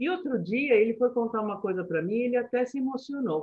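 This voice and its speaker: Her pitch swings very widely. This woman's voice is fairly high. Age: 70s. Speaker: study group participant, psychologist. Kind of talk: online study group discussion. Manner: halting.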